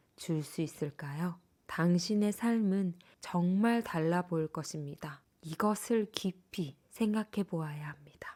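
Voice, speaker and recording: On a very clean recording with a silent background, a woman speaks at a very slow pace with a medium pitch and ordinary pitch variation. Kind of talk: reading aloud from a book. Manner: soft-spoken, calm.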